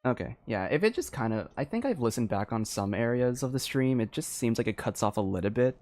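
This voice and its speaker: A man livestreaming a game, chatting casually in a halting, rambling way into a close microphone. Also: medium pitch, lively intonation, a little mellow.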